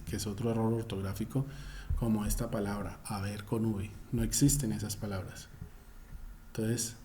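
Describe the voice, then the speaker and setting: A man's voice: fairly low pitch, darkish tone. A man teaching a Spanish class, explaining spelling rules emphatically and spelling words out letter by letter.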